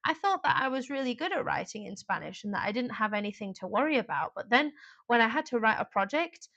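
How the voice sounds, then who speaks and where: A woman's voice: a little high, sing-song, fast talker, pushed and bright, lo-fi sound. A woman teaching an exam class in a chatty, informal live online lesson, with frequent fillers and asides.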